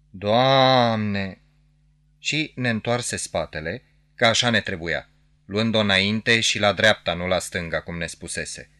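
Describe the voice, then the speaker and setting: Male audiobook narrator, lowish, bright tone, dry and measured. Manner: measured, wry literary narration. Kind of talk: audiobook reading of a novel.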